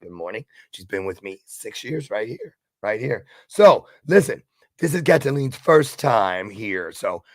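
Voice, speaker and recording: A man hosting a live online show, talking in a playful, upbeat way. His voice is mid-pitched and sounds dry and close, with no room around it. He jokes and keeps the chat moving like a showman. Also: dry recording. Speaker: talk show host.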